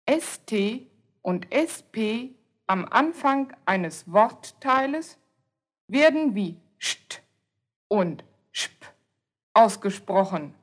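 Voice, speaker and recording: A woman reading a scripted language lesson, pronouncing each word carefully and deliberately. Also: medium pitch, expressive. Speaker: language teacher.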